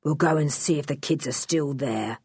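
A growling, grim crook of a man speaks low and hard, as a woman reader puts him on. The voice has a slightly husky edge and sits close and dry, with no room around it. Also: normal speed, a little mellow, no room sound, exaggerated voice. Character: gruff menacing male criminal.

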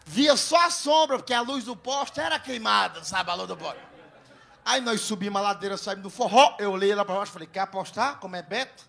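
Speaking in a high, creaky voice at a fairly quick clip, a young comedian from Ceará with a Northeastern Brazilian accent performs stand-up in front of a live audience. He tells crude stories and animatedly acts out the conversations in them.

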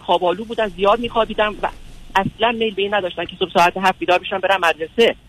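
A man's voice: high-pitched, fairly even intonation, a bit bright, rough recording. Hesitant young man calling in. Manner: hesitant, many fillers. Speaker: caller. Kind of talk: phone-in conversation.

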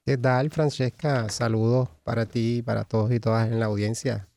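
A man's voice: mid-range voice, flat delivery, moderate pace, creaky, darkish tone. A Puerto Rican man in his forties, an addiction specialist speaking as a radio guest, professional but with many hesitant fillers. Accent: Puerto Rican Spanish. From Puerto Rico. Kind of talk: radio interview. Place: radio studio.

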